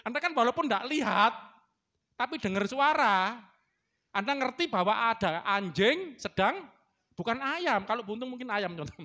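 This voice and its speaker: A man's voice: extremely high pitch, animated, moderate pace, pushed and bright, lo-fi sound. A middle-aged man preaching a sermon in a church, joking with the congregation and imitating animal sounds. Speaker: pastor. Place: church hall.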